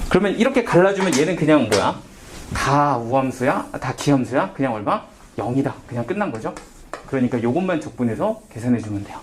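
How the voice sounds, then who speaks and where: A man explains math at a whiteboard, firing off quick questions to his students and answering them himself. His voice swings up and down a lot, at a middling pitch. A faint hiss sits behind him. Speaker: math tutor.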